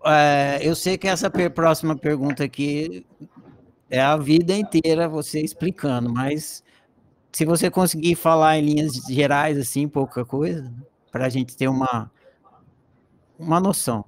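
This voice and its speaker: Man, Brazilian Portuguese accent, fairly high voice, casual interviewer. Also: a little slow, a little hiss or hum. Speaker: interviewer host. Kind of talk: interview questions.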